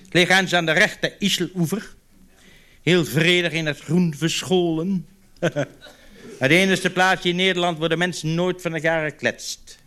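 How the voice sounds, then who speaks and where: A man's voice: a little high, fairly even intonation, measured pace, sharp tone. A man doing stand-up comedy. He tells long joke stories in a chatty way, trips over repeated little words at the start, and slips into voices for the people in the stories. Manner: switches into character voices for quoted dialogue.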